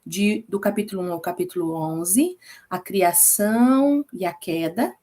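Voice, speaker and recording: A woman's voice: on the low side, expressive, a little slow, dark tone. A woman with a Brazilian Portuguese accent teaching a casual Bible study class, chatty and often checking in with her students.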